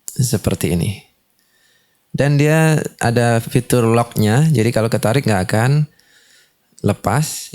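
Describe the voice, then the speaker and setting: A man's voice: on the low side, a little mellow. A man presenting a step-by-step tutorial, explaining and often adding short confirming tags. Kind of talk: step-by-step instructional demonstration.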